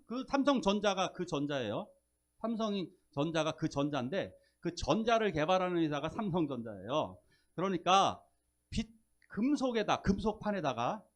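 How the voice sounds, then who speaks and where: Man, pastor, Sunday sermon, rather high voice, swooping lively delivery, quizzes and teases the congregation. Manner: lively, asks the congregation questions and jokes with them. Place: church service.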